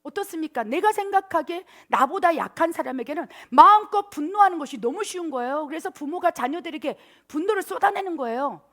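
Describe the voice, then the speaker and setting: A middle-aged woman pastor preaching a sermon at a church service, animated and acting out prayers in coaxing, whiny voices. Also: extremely high pitch, brisk, few pauses. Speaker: pastor and missionary.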